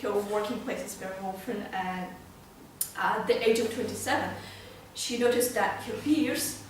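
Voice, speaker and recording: A woman's voice: mid-range voice, unhurried. A woman giving a prepared amateur speech at a club, hesitating and often restarting her phrases. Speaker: club speaker. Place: meeting room, recorded from a distance. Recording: very echoey room, distant mic, faint noise.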